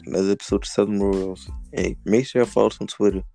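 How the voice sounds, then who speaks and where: Low-voiced South Carolina podcast man. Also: steady tone, fast talker, vocal fry, dark tone, faint music behind. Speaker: podcast co-host. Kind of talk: casual chat.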